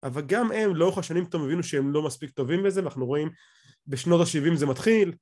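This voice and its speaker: Higher-voiced Israeli man lecturing. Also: darkish tone. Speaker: academic lecturer. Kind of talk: explanatory lecture over slides, speaking off the cuff. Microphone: video call.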